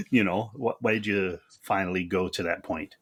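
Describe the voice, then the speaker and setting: A man's voice: low voice, moderate pace, slightly rough. A man hosting a podcast interview in a casual, agreeable and encouraging way. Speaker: podcast host.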